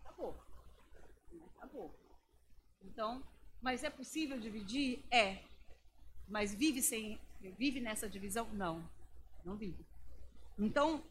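A woman's voice: on the high side, fairly bright tone, slight background noise. A woman preaching a sermon in a conversational, storytelling way, often adding tag questions.

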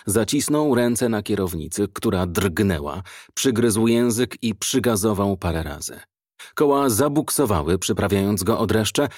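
A male audiobook narrator with a low, husky voice, reading in a measured, dramatic way. The sound is dry and close, with no room echo at all. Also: a little mellow.

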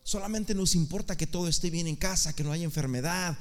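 A man preaches with a high-pitched voice. He repeats words for emphasis and rises to fervent shouts. It is the sound of a congregation sermon. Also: brisk.

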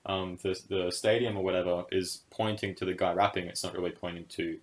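A man's voice: sits low, level tone, brisk. A young man co-hosting a casual podcast discussion, speaking thoughtfully and hesitantly with many fillers and restarts. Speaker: podcast co-host.

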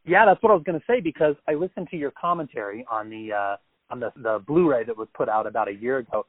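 Man, interviewer, mid-pitched voice, eager questions, tinny phone sound. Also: expressive, fast talker, no room sound. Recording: tinny phone-line audio.

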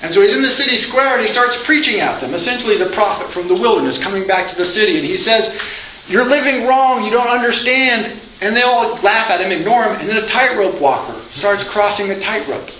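Male lecturer, high and bright, wisecracking delivery, echoey classroom recording. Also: quick pace, hardly any pauses, a little hiss or hum. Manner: lively, joking, acts out quotes. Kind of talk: informal lecture. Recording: echoey room, dull lo-fi sound.

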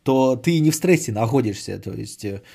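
A man's voice: medium pitch, expressive, normal speed, gravelly, mellow, husky. A man hosting a podcast, chatting casually and sardonically as he answers audience messages, often swearing and repeating phrases. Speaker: podcast host.

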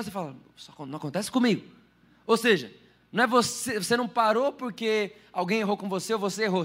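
A man pastor preaching a sermon to his church, with sudden rises and soft drops in his delivery. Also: high voice.

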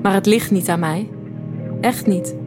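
A woman's voice: mid-range voice, unhurried, close to an everyday voice. An actress playing a lovesick woman who narrates her romance in a wry, introspective way in an audio drama. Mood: hurt, resigned. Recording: music behind.

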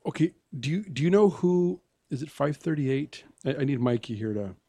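A man's voice: a little high, expressive, mellow, no echo, studio quality. A man co-hosting a talk radio show, explaining and arguing his political points at length. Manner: explaining, argumentative, measured. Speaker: co-host.

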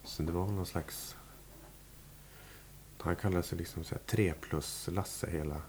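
A man's voice: sits low, fairly even intonation, a little mellow, slight background noise. A man, a musician, talking casually in an interview, rambling with many fillers and restarts. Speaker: musician guest. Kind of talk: relaxed interview talk.

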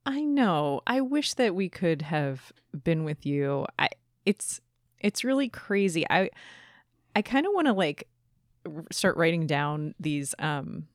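A woman's voice: low-pitched, very animated, slow pace, no room sound, clean studio sound. A woman co-hosting a podcast in playful, casual comic chat. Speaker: podcast co-host.

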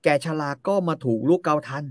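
A man voicing a humiliated, bitter captive prince who declaims loudly in anguish. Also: brisk, no echo, studio quality, natural voice.

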